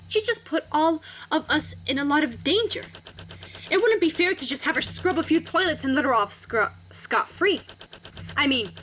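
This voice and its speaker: A woman's voice: high-pitched, a bit bright, slight background noise. A woman voicing a big, smug female enforcer who taunts in a casual, swaggering way in a visual novel read-aloud. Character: tall powerful woman, smug jokey enforcer with a mean streak.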